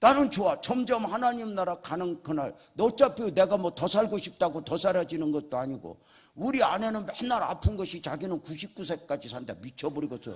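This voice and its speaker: In an animated tone, a man speaks at a fairly quick pace with hardly any pauses, his high pitch moving in very wide swings. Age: 60s. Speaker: pastor. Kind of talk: sermon.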